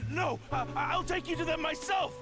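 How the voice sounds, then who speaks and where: Very high, frantic cowardly bandit. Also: male voice, normal speed. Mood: panicked pleading. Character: cowardly male bandit, pleading and blustering, game character. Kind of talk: game character trailer acting. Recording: loud music over the voice.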